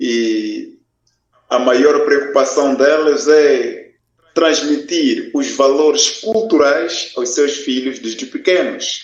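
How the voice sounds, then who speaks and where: Speaking with a Kikongo accent, a man talks at a very slow pace. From Angola. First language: Kikongo (speaking Portuguese). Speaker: poet and language teacher. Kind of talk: interview.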